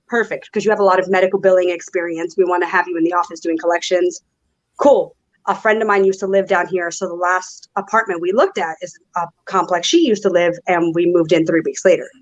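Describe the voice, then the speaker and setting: Very fast speech in an American accent, with fairly even intonation. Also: woman, medium pitch for a woman. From New York, Queens, Nuyorican. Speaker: pro wrestler. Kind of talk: casual chat. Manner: loud.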